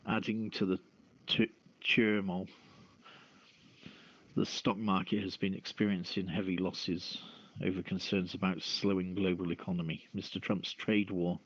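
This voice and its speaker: A man hosting a radio call-in show, reading news and opening discussion in a halting delivery with stumbles. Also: deep voice. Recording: roomy, dull lo-fi radio-style audio.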